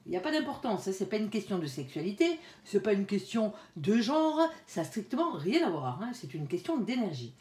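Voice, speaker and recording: A woman's voice: mid-range voice, sing-song, fairly quick, hardly any pauses. A woman giving a casual tarot reading, talking chattily to her viewers and filling her speech with little interjections. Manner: chatty, peppers speech with "hein" and "alors"; softly pleads with her guardian angel between cards. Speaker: tarot card reader. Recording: echoey room.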